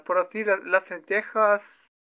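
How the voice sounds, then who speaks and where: Slow, hesitant man learning Spanish. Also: high voice, flat delivery, pushed and bright, smooth. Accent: non-native Spanish learner. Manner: slow, hesitant, many fillers and restarts. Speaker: language learner streaming his practice. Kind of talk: halting improvised practice talk.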